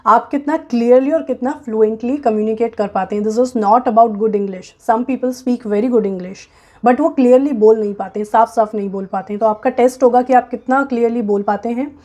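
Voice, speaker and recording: A woman's voice: on the high side, normal speed, mellow, highs cut off. A woman with an Indian accent giving an informal explainer to viewers, frank and emphatic, slipping English phrases into her explanations. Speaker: presenter of a job recruitment guide.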